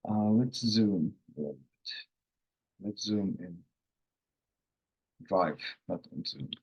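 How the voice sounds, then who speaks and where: A man who is a native Finnish speaker, hosting a casual online language lesson in an unhurried, rambling way with self-corrections. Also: low voice, a little mellow, slightly rough, muffled recording. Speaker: language course host.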